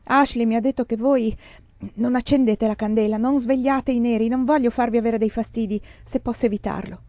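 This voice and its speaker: A woman's voice: fairly high pitch, steady tone, fairly quick, mellow, dry recording, highs cut off, close to an everyday voice. A woman voicing a desperate young fugitive man who talks in an urgent, boastful, raised voice, read as a storybook.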